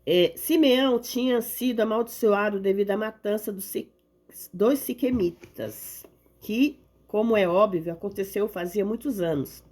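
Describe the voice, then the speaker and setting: A hoarse woman, giving an earnest devotional talk and reading the Bible aloud. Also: medium pitch, unhurried, a little mellow. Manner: earnest, repetitive exhortation with tag questions. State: hoarse from a cold. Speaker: lay preacher.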